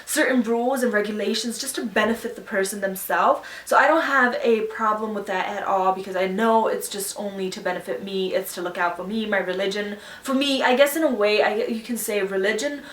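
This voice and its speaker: A woman's voice: medium pitch, fairly quick, few pauses, fairly bright tone, distant mic. A young woman from Pakistan, chatting casually as a YouTuber answering viewer questions in an earnest, reflective way. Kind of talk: casual Q&A chat. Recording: echoey room, voice a bit off-mic.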